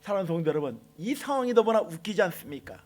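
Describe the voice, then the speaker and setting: A male pastor giving a dawn-prayer sermon, moving between quiet passages and shouted, drawn-out lines. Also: high-pitched, very animated. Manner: swings between soft and shouted lines, quoting God with slow emphasis. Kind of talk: impassioned sermon.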